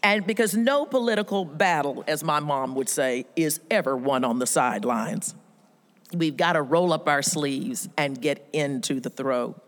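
A woman giving an emphatic motivational speech, telling stories with lively quoted voices. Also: sits low, measured pace. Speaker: speaker at a women's event. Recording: reverberant hall.

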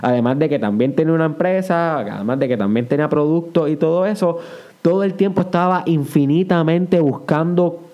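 A man's voice: fairly high pitch, brisk, muffled recording. A young man hosting a motivational podcast, talking conversationally, repeating key words and dropping in English phrases. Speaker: podcast host. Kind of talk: motivational monologue.

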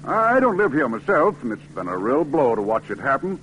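A man's voice: mid-range voice, very animated, a little fast, fairly bright tone, slight background noise, poor audio. A man playing a kindly older small-town businessman in a 1940s radio drama, with a fatherly, folksy way of talking. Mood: friendly.

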